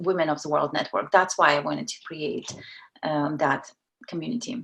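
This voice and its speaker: Ordinary pitch variation marks this speech in a Russian accent. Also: woman. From Kazakhstan. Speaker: entrepreneur and speaker. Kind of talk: podcast interview. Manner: halting, many fillers.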